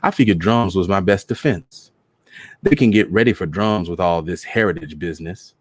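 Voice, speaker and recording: A man's voice: deep voice, moderate pace, no room sound. A man voicing a feisty, proud middle-aged mother who talks in a sassy, plain-spoken, colloquial way. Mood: defensive.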